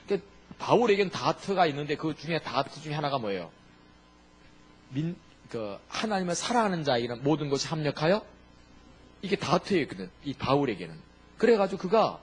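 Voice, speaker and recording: A middle-aged male pastor delivering an emphatic sermon. His voice sits a little high with a husky edge, and his pitch leaps and drops as he throws questions at the congregation. He hammers each point home with insistent repetition.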